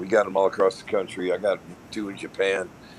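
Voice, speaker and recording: His pitch moves in an ordinary way. The man talks at a fairly quick pace. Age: 60s. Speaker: bodybuilding trainer. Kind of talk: interview. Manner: halting.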